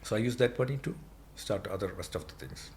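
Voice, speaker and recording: A man's voice: fairly low pitch, animated, fast, darkish tone, a little hiss or hum. Middle-aged Indian-accented man explaining things. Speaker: entrepreneur interview guest. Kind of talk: conversational podcast interview.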